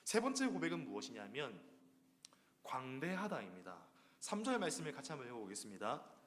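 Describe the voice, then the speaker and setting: A male preacher delivers a sermon in a church, his voice lively and swooping in pitch. He leans on rhetorical questions to draw the congregation in. A long reverb from the sanctuary trails after his words. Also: brisk.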